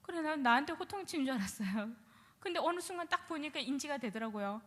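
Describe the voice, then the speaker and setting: Telling her story as a former shaman, a woman speaks fast in a high-pitched voice. She delivers the testimony with animation and reenacts her own past words. The audio carries a long hall reverb.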